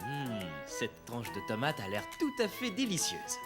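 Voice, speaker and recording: An actor voicing a patient, kindly, playful dad in a French-dubbed preschool cartoon, encouraging and gently teasing. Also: medium pitch, wildly swooping pitch, a little slow, loud music behind the voice.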